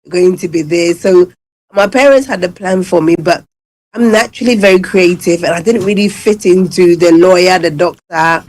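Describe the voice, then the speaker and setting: A woman's voice: lowish voice, moderate pace, darkish tone, low-quality recording. A woman in her fifties, originally from Ghana, talking as a guest in a casual radio interview and telling her story at length with many fillers. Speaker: guest, salon owner.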